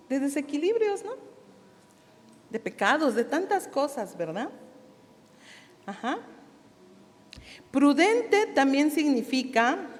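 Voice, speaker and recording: A woman with a Mexican Spanish accent gives a sermon at a women's meeting, her voice set high and her delivery slow and deliberate. She keeps checking in with the listeners through questions and laughs easily between points. The recording carries the long reverb of a church hall. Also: darkish tone. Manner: asks the audience frequent questions. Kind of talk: sermon teaching.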